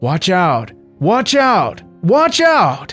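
A man puts on a high-pitched character voice with very wide pitch swings, with faint music in the background. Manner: loud, growing louder each time; shouting a warning.

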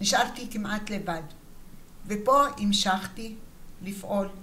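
A woman at a medium pitch speaks at a very slow pace, with audible room echo and noticeable background noise. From Iraq, then Israel from age 10. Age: 80s+. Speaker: community activist. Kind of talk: interview.

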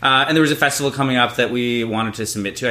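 At a very fast pace, a man talks at a medium pitch with ordinary pitch variation over noticeable background noise. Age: 30s. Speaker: theater actor. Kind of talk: casual interview.

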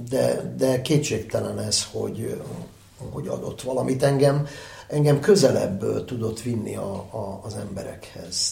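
Audible room echo and noticeable background noise accompany a man talking at a fairly slow pace. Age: 60s. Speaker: visual artist and photographer. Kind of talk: interview. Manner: halting, many fillers.

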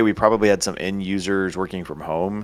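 A man with an American accent talks at a fairly quick pace in a normal speaking voice with a fairly low pitch. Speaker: IT company manager and podcast host. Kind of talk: casual podcast conversation.

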